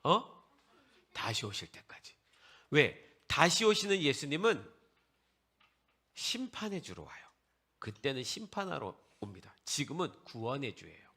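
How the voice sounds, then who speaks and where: Animated pastor preaching with questions. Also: male voice, mid-range voice, measured pace, long pauses, husky. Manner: animated, asks the congregation questions and answers them; conversational, mixes casual and polite speech. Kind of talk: sermon.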